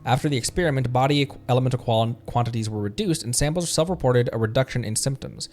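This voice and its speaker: Male game streamer, mid-pitched, stumbling a little through read-aloud text and commenting as he goes. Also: fast talker, darkish tone, soft background music.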